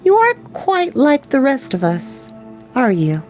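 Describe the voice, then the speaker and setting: A man reading a storybook, voicing an earnest, wistful young girl who is soft and hesitant. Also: very high-pitched, huge pitch swings, measured pace, soft background music, pitched above the performer's own voice, exaggerated voice.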